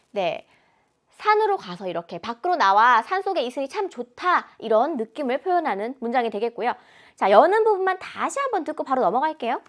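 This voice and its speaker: A woman English teacher explaining exam answers in a lecture, animated and mixing in English examples. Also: on the high side. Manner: animated, switches between Korean and English examples.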